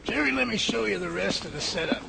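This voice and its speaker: A man playing a composed, patient professor who leads a research team and explains things in a measured way in an amateur radio drama. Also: high-pitched, animated, gravelly, crowd noise, full character voice, poor audio. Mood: hospitable.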